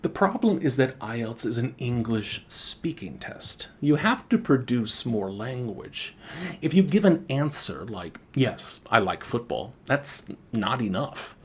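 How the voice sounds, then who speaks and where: A man teaching exam speaking skills in a scripted video lesson, speaking deliberately with expressive intonation. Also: mid-range voice, husky. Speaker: IELTS teacher and former examiner.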